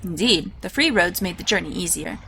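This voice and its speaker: A woman's voice: fairly low pitch, animated, a little fast, gravelly, pushed and bright, a little hiss or hum, full character voice. A woman reading as a weary tribal woman.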